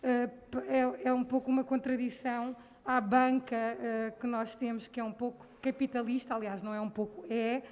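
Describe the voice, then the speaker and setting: Woman from Angola, audience comment, earnest, fairly high, flat pitch, long hall reverb. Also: moderate pace. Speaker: audience member. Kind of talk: comment from the floor.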